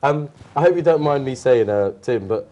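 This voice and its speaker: A man's voice: medium pitch, lively intonation, normal speed, warm tone, lo-fi sound. A man hosting a studio football talk show, chatting casually with hesitant ums and playful jokes. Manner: hesitant, lots of ums and restarts, jokey. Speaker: host.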